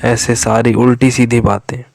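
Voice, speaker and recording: A man slowly telling a true horror story, his voice sinking to a whisper at tense moments. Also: mid-range voice, level tone, vocal fry, a little mellow. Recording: faint music behind.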